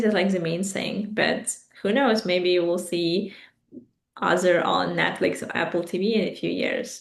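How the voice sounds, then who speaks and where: A woman at a medium pitch with vocal fry, ordinary pitch variation and a fairly slow pace. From Ukraine. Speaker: writer and filmmaker. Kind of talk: interview.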